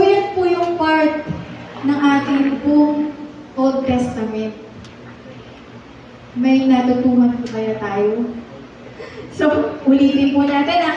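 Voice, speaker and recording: A woman's voice: sits high, a little mellow, heavy reverb, far from the mic, dull audio, a little hiss or hum. A woman teaching a Bible lesson in church, often asking the congregation questions. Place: church hall.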